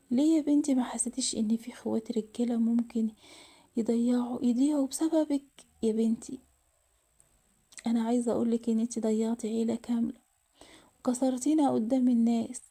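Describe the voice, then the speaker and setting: A woman's voice: a little high, mellow. A woman with an Egyptian accent voicing a devout, worried mother who pleads with and lectures her daughter. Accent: Egyptian Arabic. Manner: pleading, moralizing.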